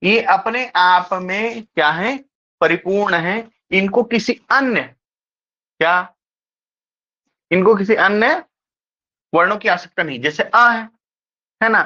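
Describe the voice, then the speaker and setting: A teacher giving an exam-prep grammar lecture, talking slowly and repeating points, often pausing to ask the class quick check questions. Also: medium pitch, bright, forceful tone, muffled recording. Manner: slow, repetitive, keeps checking with rhetorical questions.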